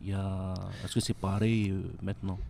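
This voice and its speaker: A man's voice: sits low, flat delivery, normal speed, warm tone, a little hiss or hum. A man hosting a radio interview, speaking hesitantly with many "euh" between phrases. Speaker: radio host. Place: radio studio.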